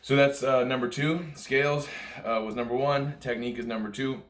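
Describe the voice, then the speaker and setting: A man's voice: mid-range voice, steady tone, moderate pace. A man giving a casual music lesson, talking informally and ramblingly, often repeating his points. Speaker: music teacher. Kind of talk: casual instructional talk to camera. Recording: echoey room sound.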